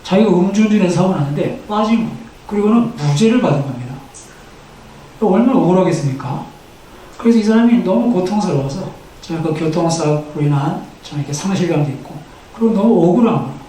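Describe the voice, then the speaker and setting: A man's voice: high voice, lively intonation, fast talker, dark tone, far from the mic, a little hiss or hum. A male pastor delivering a sermon, asking rhetorical questions and leading the congregation to repeat phrases after him. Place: church sanctuary. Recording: echoey church hall, from the mic.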